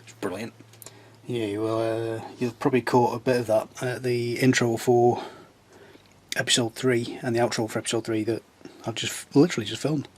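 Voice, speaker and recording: A man, croaky from a sore throat, chatting casually and rambling a little as he explains model-building techniques. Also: medium pitch, little pitch movement, normal speed. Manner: rambling, self-mocking, chatty. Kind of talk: casual how-to chat. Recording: noisy with crinkling sounds.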